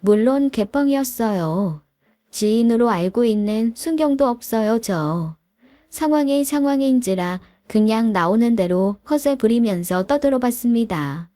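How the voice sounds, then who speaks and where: A woman's voice: a little high, warm tone, dry recording, studio quality. Woman narrating a first-person story. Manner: plain storytelling, looks back on events.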